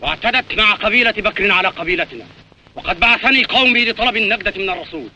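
Urgent, high-voiced tribal messenger. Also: male voice, quick pace, sharp tone, slight background noise, rough recording. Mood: urgent, indignant. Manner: crying out, declamatory. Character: urgent, indignant tribal messenger seeking help. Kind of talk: classical Arabic film acting.

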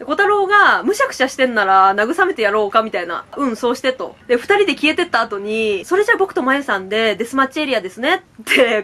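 A woman with a light lilt gushes through a casual game review. Her high voice swoops all over the place as she piles on excited asides. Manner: excitable, gushing, quick asides and laughs. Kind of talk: casual fan review chat.

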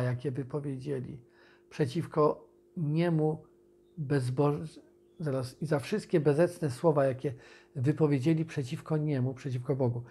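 A man delivers an informal video sermon, talking conversationally with pauses and restarts while reading scripture aloud. His voice is fairly high-pitched and warm, with a breathy edge.

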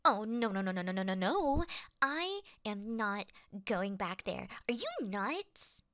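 A woman's voice: medium pitch, big pitch swings, a little slow, fairly bright tone, no room sound, studio quality. A woman voicing a clumsy, easily scared young female thief who acts tough in an ASMR roleplay, flustered, pouty and stammering. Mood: whiny, anxious.

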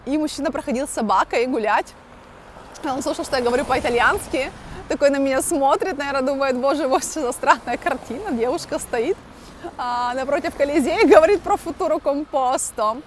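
A young woman with a slightly high voice teaches a grammar lesson outdoors at night through a wired earphone mic. She explains patiently, with frequent hesitation fillers, and drops in Italian example phrases. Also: brisk, slight background noise. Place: outdoors at night in front of a large lit monument.

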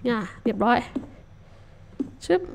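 A woman hosting a survival game let's-play, talking to herself in a chatty, casual way with sudden startled shouts. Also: takes it slowly. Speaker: Minecraft let's-play host.

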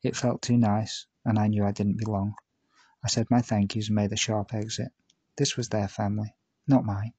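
A man's voice: fairly low pitch, flat delivery, moderate pace, dark tone, slightly rough, no echo. A man reading his first-person true-crime memoir aloud, telling it steadily with dry, self-aware asides. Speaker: audiobook narrator.

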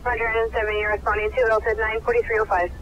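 A man's voice: high-pitched, completely flat delivery, rapid-fire, a bit bright. A man working as a fire dispatcher, heard over a radio, reading back calls and times in clipped dispatch style. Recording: muffled radio with static noise.

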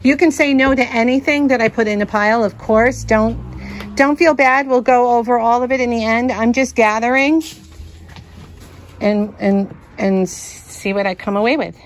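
With a fairly high-pitched voice at a normal speed, a woman chats and thinks aloud while sorting vintage jewelry for her vlog. The casual thrifting narration takes place inside a cluttered antique store. The recording carries a little hiss or hum.

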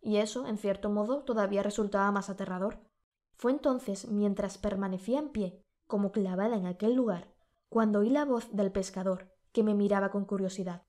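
A woman with a Spanish accent narrating an audiobook, her voice a little strained from a sore throat. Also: mid-range voice. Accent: Spain Spanish. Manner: measured, steady storytelling.

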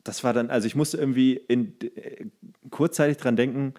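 A man co-hosting a podcast, telling anecdotes in casual, colloquial, halting speech. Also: mid-range voice, warm tone. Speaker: podcast co-host.

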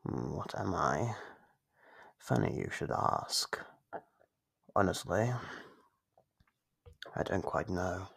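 An ancient monster acted out by a man murmurs low and slow in an ASMR horror roleplay. The voice is gravelly and breathy, often slipping into a whisper as it toys with its prey, playful and menacing. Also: lively intonation, a bit bright, full character voice. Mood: gloating menace. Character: ancient monster under the bed, sinister, playful, taunting.

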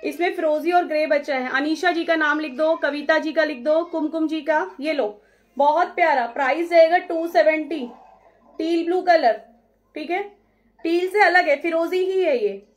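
A woman hosting a live saree sale, chatting briskly with viewers, taking bookings and calling out their names, slipping English phrases into her Hindi. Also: sits high, lo-fi sound. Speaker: saree seller on live stream. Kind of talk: live-stream sales chat.

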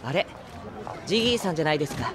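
A gentle young man, a bit high in pitch, asking things mildly and politely. Clear ambient noise runs behind him. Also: big pitch swings, rapid-fire. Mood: mild, curious. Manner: mild, polite, soft questioning. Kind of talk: anime-style audio drama acting.

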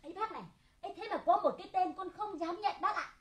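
A woman's voice: very high-pitched, fast talker. A woman playing a bumbling, joking male clown servant in a traditional folk opera comedy, giggling and punning in a sing-song way. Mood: giggly, teasing. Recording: echoey stage recording.

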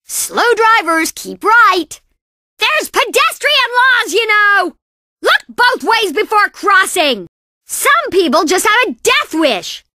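This is a cocky young girl bandicoot from a racing video game. Her voice is extremely high and bright, swinging animatedly up and down. She sounds perky, sassy and boastful, in full cartoon style. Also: very animated, slow, no room sound, studio quality, full character voice. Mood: excited, bossy. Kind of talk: video game character voice lines.

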